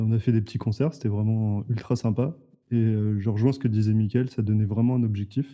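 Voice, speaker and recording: A man speaks with fairly even intonation. His tone is dark and mellow. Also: medium pitch for a man, fairly quick pace. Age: 20s. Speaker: podcast host and musician. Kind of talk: casual chat.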